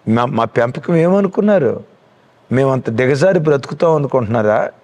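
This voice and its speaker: A man voicing an indignant middle-aged father who defends his daughter with accusing questions, in a lower voice than his own. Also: animated, moderate pace, a little mellow, close to an everyday voice.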